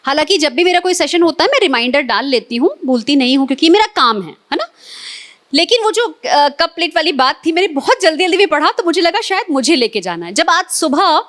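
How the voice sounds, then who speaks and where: A middle-aged Indian woman running an etiquette workshop, lively and coaxing the audience with questions. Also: very high-pitched. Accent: Indian Hindi. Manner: animated, quizzes and coaxes the audience. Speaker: etiquette trainer. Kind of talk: live classroom workshop.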